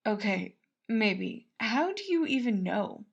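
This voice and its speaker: A proud young prince voiced by a woman talks with a gravelly creak. He is theatrical and sulky, torn by love and quick to get flustered, as in a storybook romance. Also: medium pitch, big pitch swings, highs cut off, heavily acted. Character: lovelorn young prince, dramatic, proud and conflicted. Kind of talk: acted dialogue in fan-fiction audiobook.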